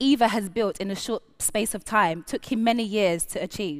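A woman speaks at a moderate pace over a quiet background. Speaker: conference speaker. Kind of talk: prepared talk telling a workplace story. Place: stage. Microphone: headset.

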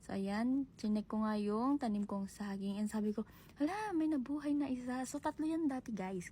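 A woman talks fairly quickly, her pitch varying normally, with noticeable noise behind her. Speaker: farmer and vlogger. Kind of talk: casual vlog narration.

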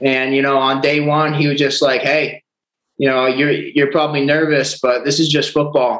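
Over a quiet background with audible room echo, a man speaks at a moderate pace in a fairly high voice with monotone, flat intonation. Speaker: football player; podcast guest. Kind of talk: interview. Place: home room. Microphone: video call.

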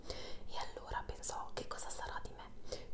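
Whispering is how a woman delivers her words. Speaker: ASMR reader. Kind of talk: audiobook reading. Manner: whispered.

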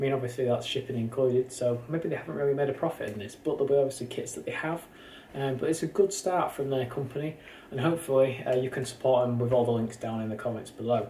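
A man talking at a very fast pace, with audible room echo and light background noise. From England. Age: 20s. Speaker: YouTuber, football shirt collector. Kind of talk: casual unboxing vlog. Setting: home recording to camera. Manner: hesitant, many filler ums. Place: home room. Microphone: camera far.

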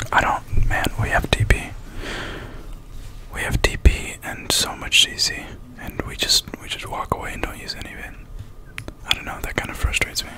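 The speaker whispers at a moderate pace. There are long, frequent pauses. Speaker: ASMR gamer and streamer; ASMR gamer, streamer. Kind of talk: whispered gameplay commentary. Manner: whispered. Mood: mildly frustrated. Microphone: studio mic.

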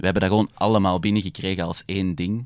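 A man with a very deep, low voice speaks in a fairly even intonation, recorded dry with no echo against a quiet background. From Belgium, Antwerp; Belgium. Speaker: rapper and singer; guest. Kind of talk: casual interview chat. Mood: reflective, personal. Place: studio. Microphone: studio mic.

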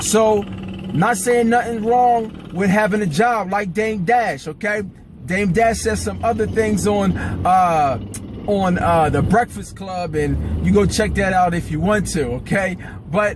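A man talks at a fairly slow pace in a high pitch, with ordinary pitch variation. The sound is dry with no echo, and noticeable background noise is present. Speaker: rideshare driver vlogger. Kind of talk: casual vlog chat. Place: car. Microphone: phone near.

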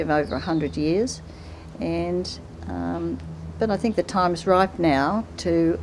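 Noticeable background noise sits behind a woman whose very deep, low voice makes very wide pitch swings. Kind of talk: interview answer. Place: garden.

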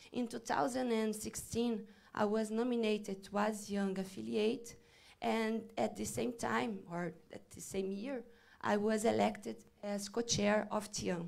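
Someone with a Portuguese accent speaks at a very slow pace with fairly even intonation. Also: woman, fairly high pitch for a woman. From Brazil. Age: 40s. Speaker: pharmacist and biochemistry researcher. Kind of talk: conference presentation. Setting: stage with audience. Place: hall. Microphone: podium.

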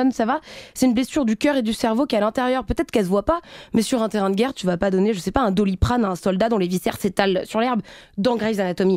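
A woman talks at a very fast pace in an animated tone, fairly high in pitch with ordinary pitch variation. Her loudness stays very even, and the sound is dry with no echo against a quiet background. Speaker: radio columnist. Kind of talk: satirical comedic monologue. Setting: studio. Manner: animated, mocking, ironic. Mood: indignant, sarcastic. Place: studio. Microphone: studio mic.

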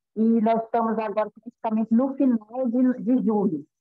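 A woman talks at a fairly slow pace in a fairly high pitch. Hers is a plain, everyday voice. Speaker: prospective student asking questions. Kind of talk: Q&A. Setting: video call.

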